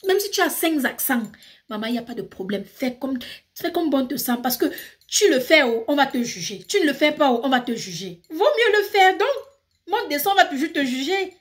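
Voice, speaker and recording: A woman's voice: high-pitched, expressive, fairly quick. A woman with a Cameroonian accent, ranting passionately in a casual vlog and switching between French and English. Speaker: YouTuber. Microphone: phone.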